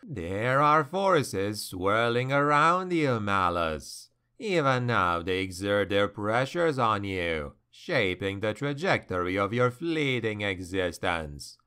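A man voicing a sly, amused ancient male demon who speaks slowly and knowingly. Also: on the low side, animated, sharp tone, clean tone, heavily acted. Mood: mocking. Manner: slow, knowing, mocking.

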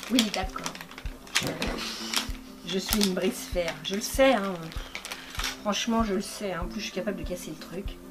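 A woman vlogger talks to her viewers in a chatty, playful tone and calls them by pet names. Her voice sits at a middle pitch, and clear music plays behind her. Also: moderate pace, pauses often. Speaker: vlogger showing a shopping haul. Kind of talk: casual chat to viewers. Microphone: camera microphone, filmed by a cameraman.

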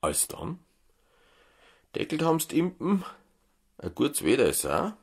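An easygoing old-country farmer with a Bavarian accent. His husky, gravelly voice leaps around in pitch in a dialect audiobook scene. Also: wildly swooping pitch, a little slow, exaggerated voice. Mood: matter-of-fact.

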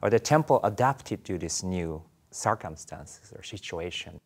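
Soft-spoken Japanese-accented man. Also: sits low, animated, a little slow, gravelly. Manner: thoughtful, many fillers and restarts. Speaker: Buddhist priest guest. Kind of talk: interview answers. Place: studio interview set.

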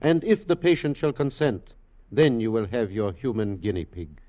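A man playing a skeptical, wry senior hospital doctor with formal, measured phrasing, in 1940s radio drama style. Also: lowish voice, very animated. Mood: grave, wry. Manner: measured, formal, dryly humorous. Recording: dull vintage 1940s radio recording.

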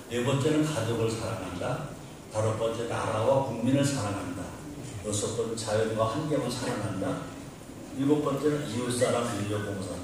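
An older man, a pastor, giving an animated welcome speech to his congregation and counting off his points with rising emphasis. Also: fairly low pitch. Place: large church hall with seated congregation. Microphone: podium mic, recorded from the audience by a far camera. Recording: distant, very echoey hall with audience noise.

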